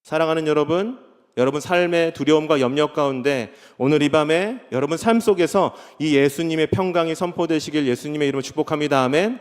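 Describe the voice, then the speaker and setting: A male pastor delivering a conversational revival sermon, asking the congregation questions and acting out quoted speech in a soft, low voice. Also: a little fast, smooth. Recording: long hall reverb.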